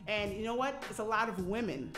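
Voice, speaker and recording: A woman's voice: mid-range voice, fairly quick, music in the background. Chatty woman in her forties on radio. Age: 40s. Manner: chatty, laughs easily, many fillers. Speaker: radio host. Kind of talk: casual radio talk. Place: radio studio. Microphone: studio microphone.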